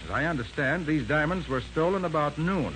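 An actor playing a shrewd, confident male private detective with an American accent in a 1940s radio crime drama, explaining things in an assertive, deliberate way. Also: fairly high pitch, animated, fairly bright tone. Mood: confident, accusing. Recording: noisy 1940s radio recording.

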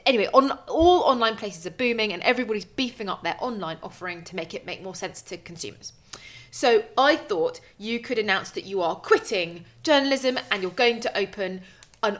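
A woman's voice: mid-range voice, fairly bright tone. A woman co-hosting a casual chat, talking in a chatty way and giving blunt opinions. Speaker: podcast co-host.

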